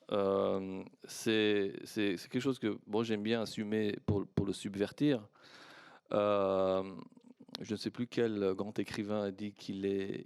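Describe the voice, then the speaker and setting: A man, a native Persian speaker, answering questions on an academic panel in a measured way, often hesitating and restarting. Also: lowish voice, a little mellow, clean tone, no echo, studio quality. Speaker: panelist historian. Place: conference hall.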